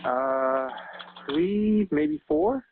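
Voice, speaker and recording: A man making an emergency call over the phone, halting and flustered, repeating himself as he explains. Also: a little high, very animated. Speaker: emergency caller, father. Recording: noisy, tinny phone line recording.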